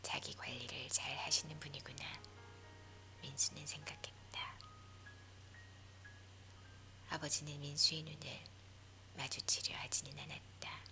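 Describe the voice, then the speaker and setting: A woman leaning in to whisper a story for sleep in a hushed, breathy ASMR narration. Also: low voice, level tone, moderate pace. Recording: music behind the voice. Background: music.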